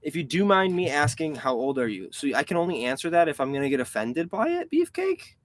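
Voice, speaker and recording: A man's voice: a little high, very animated, brisk. A man in his twenties chatting casually on a live stream, reading out chat questions and grumbling aside about a website that keeps failing. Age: 20s. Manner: chatty and rambling, reads chat questions aloud, frustrated asides. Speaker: online reseller hosting a live stream.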